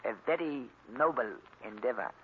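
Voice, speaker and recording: An actor playing a polite, guarded Hindu professor in a formal, stilted 1940s radio style. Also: male voice, mid-range voice, moderate pace, breathy edge, close to an everyday voice. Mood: guarded, courteous. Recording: tinny, noisy 1940s radio recording.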